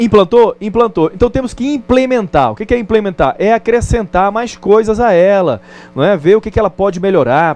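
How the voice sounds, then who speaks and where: A man with a Brazilian Portuguese accent and a high-pitched, slightly mellow voice teaches a recorded distance-learning lesson conversationally, often checking in with the viewer.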